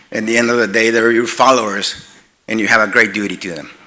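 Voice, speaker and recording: Fairly low pitch from a man, with noticeable background noise. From Mexico. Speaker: legislator. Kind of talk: panel discussion. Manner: halting.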